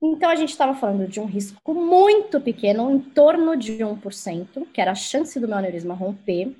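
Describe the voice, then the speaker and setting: A woman's voice: on the high side, sing-song, fairly quick, warm tone. A woman telling a personal story frankly and with animation in a casual conversation, swearing freely. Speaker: guest.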